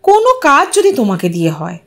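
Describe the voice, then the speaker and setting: A woman's voice: sits high, huge pitch swings, brisk, full character voice. A woman voicing a fussy, reproachful young wife who is fond of her husband, in an audio story. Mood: exasperated.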